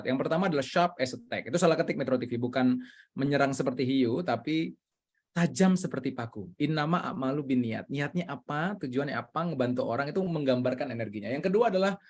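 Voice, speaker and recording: Quick, high-pitched Indonesian-speaking male trainer. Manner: energetic, coaxing audience. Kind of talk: online training session. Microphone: video call.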